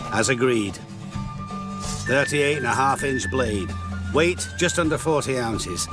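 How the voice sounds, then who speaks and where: An actor playing a seasoned male sword merchant in a game scene, giving a matter-of-fact sales pitch for his blade. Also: lively intonation, slow. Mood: businesslike. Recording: game scene with music behind.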